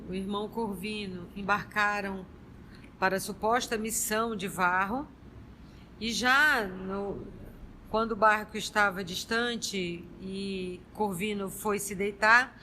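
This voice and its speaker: A woman recapping a story from memory, slow and halting. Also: mid-range voice, fairly even intonation, bright, forceful tone, slight background noise, poor audio. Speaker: study group member giving a recap.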